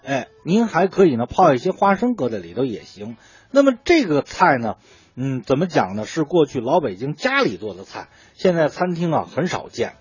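A man with a Beijing accent talks in a colloquial, storytelling way, often posing a question and answering it himself. His voice is husky and swings widely in pitch. The sound is dry and somewhat muffled. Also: wildly swooping pitch, moderate pace, no echo. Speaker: food writer guest explaining dishes. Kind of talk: conversational explanation of traditional cooking.

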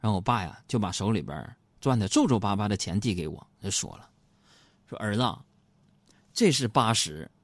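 A man's voice: fairly low pitch, animated, a little fast, dry recording. A man hosting a show, teasing his listeners and mock-complaining in a comic monologue. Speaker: host.

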